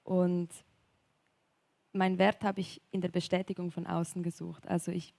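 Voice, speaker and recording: On stage at a church service, a young Swiss woman from Graubünden shares her personal testimony in an interview, speaking with a Swiss accent. Her voice is lowish, creaky and dry-recorded, with little pitch movement, and she's soft, hesitant and reflective, with frequent pauses and fillers.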